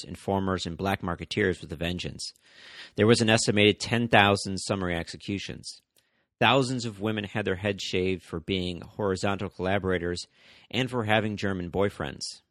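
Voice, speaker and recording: A man with a very low voice reads his history podcast narration. His delivery is measured, with an occasional "uh" or a restarted word. The recording is close and dry. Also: a bit bright, no room sound. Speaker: podcast host.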